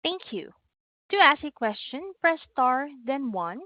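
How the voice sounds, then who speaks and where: A woman's voice: high-pitched, sing-song, unhurried, dry recording. A woman conference operator reading scripted announcements and instructions on a slightly dull call line.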